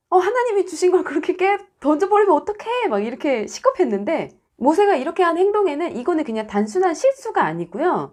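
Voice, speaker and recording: A woman storyteller and host telling Bible stories in a dramatic, expressive way. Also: sits high. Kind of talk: dramatic Bible storytelling narration with casual asides.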